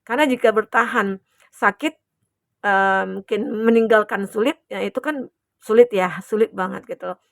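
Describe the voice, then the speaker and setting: A woman's voice: mid-range voice, moderate pace, gravelly, dry recording, studio quality. A young adult woman giving a chatty, reassuring collective tarot reading to her viewers, with many fillers. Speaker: tarot reader.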